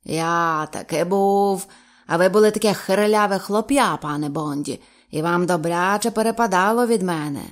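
A woman voicing a stout old sea captain who speaks slowly, bluntly and jovially. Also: lowish voice, natural voice. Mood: hearty.

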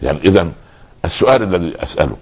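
Deep-voiced male preacher. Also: sing-song, very fast, darkish tone, husky. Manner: rhetorical questions, rising emphasis. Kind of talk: religious sermon.

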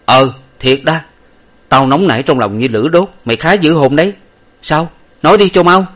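A man doing a hot-headed young gentleman. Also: mid-range voice, animated, normal speed, pitched above the performer's own voice, close to an everyday voice. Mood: demanding, angry. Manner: loud, demanding. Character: hot-tempered young gentleman, returning scholar.

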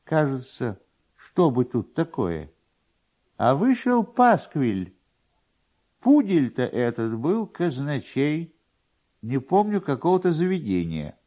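A man voicing an officious, pedantic, slow-witted male newspaper clerk in a dramatised literary reading, drawing his words out. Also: mid-range voice, huge pitch swings, warm tone, heavily acted. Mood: officious, reluctant. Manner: deliberate, drawn-out, pedantic. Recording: dull, lo-fi archive radio recording.

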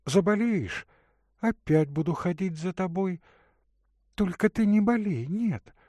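A man reading aloud and voicing a gentle, caring young woman who speaks in a soft, singsong lilt. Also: high-pitched, expressive, measured pace, dry recording, pitched above the performer's own voice. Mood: tender.

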